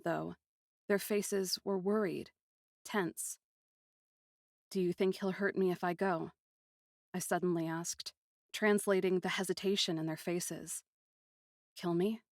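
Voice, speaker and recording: A woman's voice: mid-range voice, no echo. Dry, close-miked woman narrating fiction dramatically.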